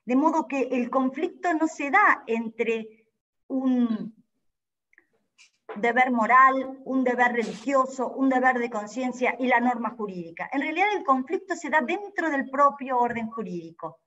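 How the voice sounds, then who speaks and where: A woman giving an academic law lecture in a careful, explanatory way, often pausing to rephrase. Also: high-pitched, lively intonation, fairly bright tone. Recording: dull lo-fi audio.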